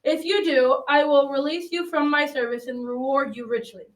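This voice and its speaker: A woman's voice: sits high, steady tone, moderate pace, recorded from a distance, close to an everyday voice. A teenage girl playing a stern, formidable Black Knight in an amateur school radio drama, with formal archaic speech. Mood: grave. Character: formidable male Black Knight, stern challenger and grieving father. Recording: echoey room, off the mic.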